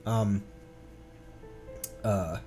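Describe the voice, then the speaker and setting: A man's voice: fairly low pitch, fairly even intonation, extremely slow, warm tone, soft background music. A man livestreaming a game with casual, jokey commentary, reading bits of dialogue aloud. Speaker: streamer.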